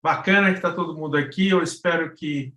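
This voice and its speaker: A man's voice: on the high side, fairly quick, bright, forceful tone. A Brazilian man presenting informally to an online class over a video call, thinking aloud in loose, conversational phrases. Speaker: guest presenter, actor and cultural producer. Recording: roomy, echoing video call audio.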